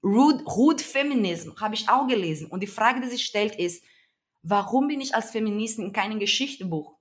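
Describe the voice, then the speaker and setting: A woman's voice: medium pitch, lively intonation, normal speed. Earnest woman with a Brazilian accent. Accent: Brazilian Portuguese. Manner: earnest, emphatic, searching for words. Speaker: activist guest. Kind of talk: conversational interview.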